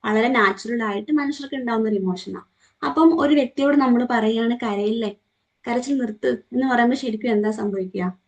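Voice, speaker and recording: Speaking briskly in a voice on the high side, a young woman with a Malayali accent runs a morning group training session. She questions her listeners and acts out quoted remarks, and the recording has its highs cut off.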